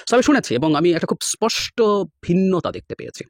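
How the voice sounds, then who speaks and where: A man gives political commentary in an animated, scornful way, dropping in English phrases. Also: high-pitched, fast talker, no echo, clean studio sound. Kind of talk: spoken commentary.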